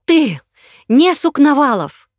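Woman doing a shrill, hysterical young woman. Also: big pitch swings, slow pace, no echo, studio quality, full character voice. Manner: shrill, sobbing, screaming accusations.

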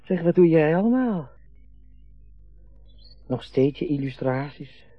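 A man's voice: fairly high pitch, lively intonation, slow, no echo. A man acting in a radio drama, playing a chatty, eager middle-aged father proudly showing off his home. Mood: proud, relaxed. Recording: muffled radio play recording, faint music.

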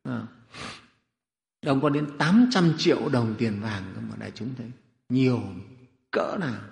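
A man, a Buddhist monk, telling a story in a sermon with lively rhetorical questions. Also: mid-range voice, a little slow, creaky. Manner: animated, rhetorical questions, chuckling. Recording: echoey hall.

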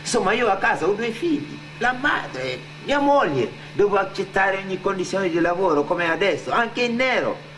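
Higher-voiced weary immigrant worker. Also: male voice, very animated, moderate pace, a bit bright, slight background noise. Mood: worried, resigned. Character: weary immigrant construction worker, a worried father. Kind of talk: dramatic monologue in narrative theatre.

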